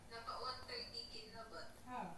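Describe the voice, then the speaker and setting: A woman in casual conversation, talking in a halting way as if thinking aloud, recorded at a distance in a reverberant room. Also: on the high side, background noise. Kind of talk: casual chat about loan payments and charges.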